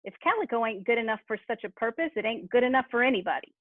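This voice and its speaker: A brazen, callous working woman acted by a woman in an amateur story play, husky and rather high. The sound is thin and tinny, like a phone. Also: expressive, quick pace, no room sound. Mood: scornful, brazen. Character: callous, brazen working-class woman selling a dead man's things. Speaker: library staff reader in a play. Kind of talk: amateur dramatised reading.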